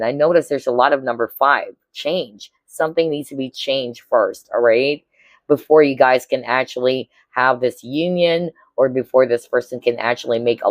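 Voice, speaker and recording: A woman with a hoarse, cracking voice giving a casual tarot reading to viewers, chatty and often checking in with her listeners. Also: a bass voice, dry recording. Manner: chatty, keeps checking in with "all right?" and "okay?". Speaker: tarot reader.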